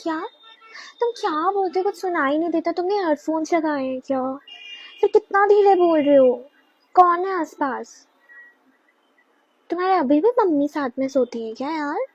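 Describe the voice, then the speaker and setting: A woman's voice: very high-pitched, normal speed, long pauses, a little mellow, highs cut off. Teasing young woman in a comedy skit. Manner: teasing, playful nagging. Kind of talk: comedic role-play skit.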